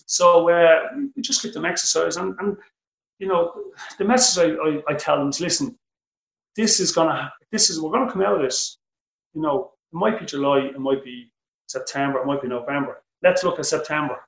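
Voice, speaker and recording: A middle-aged man with an Irish accent, a boxing coach answering interview questions, animated and restarting his sentences often. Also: fairly high pitch, a little fast, creaky, reverberant, rough recording. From Ireland. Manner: animated, repeats words when starting sentences.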